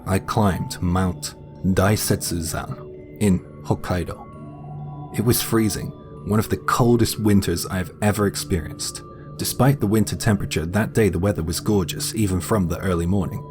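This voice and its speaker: A man reading a first-person story in a steady, plain, matter-of-fact way over faint background music. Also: low voice. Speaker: guest narrator.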